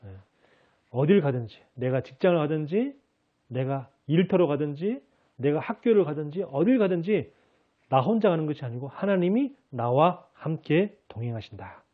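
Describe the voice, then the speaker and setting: A man's voice: fairly high pitch, animated, normal speed. A male pastor preaching a Sunday sermon earnestly, raising his voice as he speaks God's promises. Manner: earnest preaching, acts out God's words in a raised voice. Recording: phone-like narrow sound.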